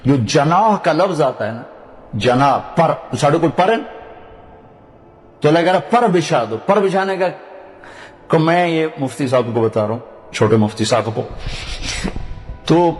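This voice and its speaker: An older man from Pakistan with a Punjabi accent, preaching a sermon and telling stories, dropping low to recite Arabic verses. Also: animated, pauses often, big-room sound. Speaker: Islamic preacher.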